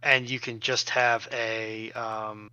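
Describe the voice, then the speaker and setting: A man's voice: medium pitch, little pitch movement, takes it slowly, bright, forceful tone, smooth, dry recording. A man chatting casually as a livestream panellist, heard over slightly lo-fi voice-chat audio. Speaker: livestream panellist and tech helper.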